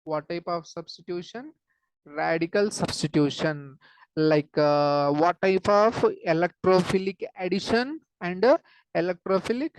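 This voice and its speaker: A woman teacher with a South Asian accent and a lowish voice explains things step by step in a dry, close-sounding recording. She repeats key phrases and often stops to check with short questions. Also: measured pace, darkish tone, clean tone, no echo, poor audio. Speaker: chemistry teacher.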